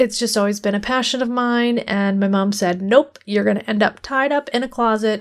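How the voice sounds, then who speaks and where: A woman with a Pennsylvania accent, medium pitch, moderate pace and fairly even intonation. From central Pennsylvania. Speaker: podcast host. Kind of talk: casual podcast monologue. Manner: chatty, conversational.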